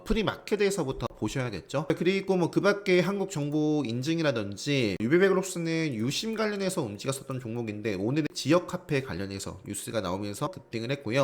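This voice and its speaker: Hoarse man briskly reviewing stocks. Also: fairly high pitch. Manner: brisk explanatory, talking through charts. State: sore, strained throat. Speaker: stock market educator. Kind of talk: daily stock market recap.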